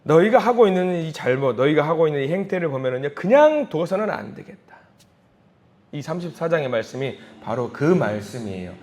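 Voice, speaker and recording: Lively Korean pastor preaching. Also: male voice, a little high, quick pace, few pauses. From South Korea. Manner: animated storytelling, acting out voices, rising and falling emphasis. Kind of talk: dawn sermon.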